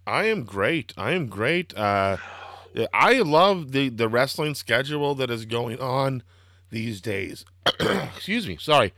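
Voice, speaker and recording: Hoarse, rambling man hosting a podcast. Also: mid-range voice, takes it slowly, no echo, studio quality. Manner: rambling, filler-heavy, excitable. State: slightly hoarse, throaty. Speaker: podcast host. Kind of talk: casual wrestling podcast chat.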